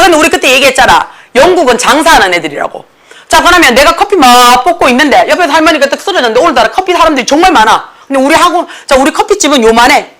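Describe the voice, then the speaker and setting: A woman with a Gyeongsang Korean accent, teaching an English grammar lecture in a classroom with blunt, animated talk and constant check-ins with students. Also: high-pitched.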